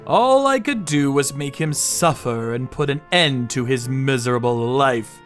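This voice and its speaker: A man giving scripted, dramatic first-person narration for a manga dub in a deliberate, grim manner. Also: mid-range voice, lively intonation, fairly bright tone, soft background music. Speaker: narrator and lead character, a torture sommelier.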